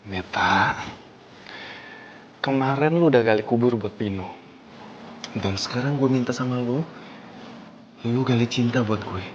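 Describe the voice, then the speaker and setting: A man's voice: mid-range voice, a little slow, long pauses, muffled recording, noisy background, close to an everyday voice. A man playing an earnest young man who pleads sincerely with the woman he loves, with a music score under the dialogue. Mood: pleading. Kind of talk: TV film dialogue.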